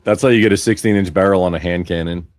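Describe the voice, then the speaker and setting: A man's voice: low-pitched, steady tone, quick pace, dry recording. A man chatting casually on a live stream, joking, swearing and contradicting people. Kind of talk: casual bantering chat.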